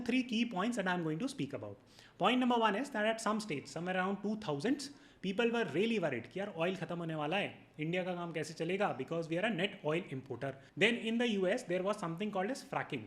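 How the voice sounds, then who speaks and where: A man's voice: sits high, a bit bright. A man with a North Indian accent, hosting an explanatory monologue for viewers in a didactic, emphatic way, laying out numbered points. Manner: didactic, emphatic, mixes in Hindi phrases. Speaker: video host and educator.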